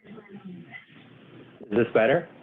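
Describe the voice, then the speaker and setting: A man's voice: high voice, drawn-out words, slight background noise. A man giving a webinar presentation, his voice breaking up as the online call cuts out. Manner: steady, explanatory, with filler uhs. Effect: glitchy online call cutting out. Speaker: workforce agency presenter. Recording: tinny phone-like call audio.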